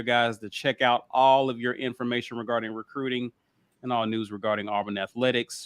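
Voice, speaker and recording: A man's voice: medium pitch, fairly bright tone, no echo. A man hosting a casual sports talk show, reading plugs and kicking things off with an upbeat delivery. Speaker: podcast host.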